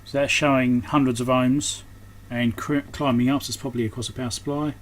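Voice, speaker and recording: Man thinking aloud, clearly noisy recording. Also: medium pitch, flat delivery, brisk. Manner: unscripted, thinking aloud while working. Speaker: host of an electronics repair channel. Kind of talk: casual hands-on repair commentary.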